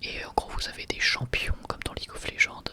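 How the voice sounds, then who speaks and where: A man speaking in a soft, breathy ASMR whisper, gently addressing viewers as a video creator. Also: fairly quick.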